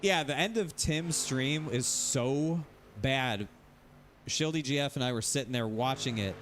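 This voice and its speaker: A man's voice: mid-range voice, unhurried, a bit bright, slight background noise. A man streaming sim racing, ranting casually, rambling and repeating himself, swearing freely. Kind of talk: casual livestream rant.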